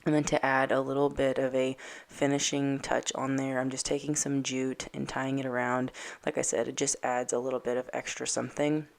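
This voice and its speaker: A woman home decor vlogger chatting casually to camera, losing her voice from a dry throat, soft and hesitant with many ums. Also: very deep voice, level tone, brisk, vocal fry.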